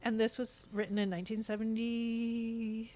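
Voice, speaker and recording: A woman's voice: on the high side, level tone, normal speed, mellow. American woman in her fifties, podcast guest. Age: 50s. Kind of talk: casual podcast conversation, explaining.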